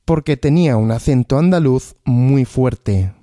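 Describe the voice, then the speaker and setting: A man teaching Spanish through a story, asking questions and answering them himself, repeating each answer slowly. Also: medium pitch, mellow, dry recording, clean studio sound. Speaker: Spanish teacher, podcast host.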